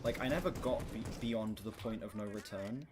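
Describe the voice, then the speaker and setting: Chatting frankly with his stream audience, a young man who games live swears now and then in a projected voice he calls monotone. He sits on the low side and talks at normal speed, over clearly audible keyboard typing and clicks.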